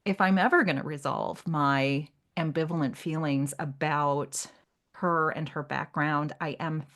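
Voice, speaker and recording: Female podcast co-host, lower register, informal literary chat, discursive and given to voicing asides. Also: steady tone, a little slow, a bit bright.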